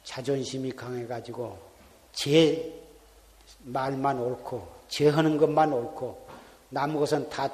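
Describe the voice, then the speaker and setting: A man's voice: a little high, a little mellow. A man, a Buddhist monk giving an earnest Dharma talk full of repeated rhetorical questions, recorded in a temple hall. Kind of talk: sermon.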